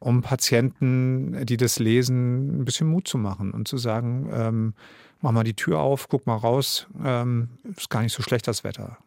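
A man's voice: medium pitch, steady tone, moderate pace, gravelly, a little mellow, dry recording, studio quality. A man in his fifties from Germany, a writer and radio drama director, talking as a guest in a radio interview, reflective and self-mocking, with many fillers. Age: 50s.

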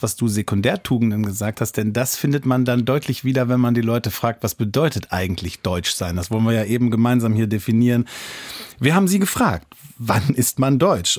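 A man's voice: medium pitch, expressive, a little fast, a little mellow, no echo, studio quality. A young man hosting a podcast discussion, engaged and affirming as he guides the talk. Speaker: podcast host. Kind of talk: casual conversation.

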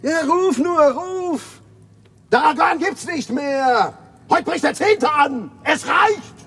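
An actor playing a sardonic, bitter Soviet writer in a radio drama, mocking and breaking into shouted rants. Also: male voice, very high voice, expressive, takes it slowly, full character voice. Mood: ranting.

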